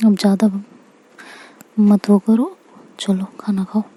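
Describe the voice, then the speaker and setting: A woman voicing a caring, firm young woman in whispered role-play, coaxing her injured partner in a soft half-whisper. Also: mid-range voice, little pitch movement, takes it slowly, breathy edge.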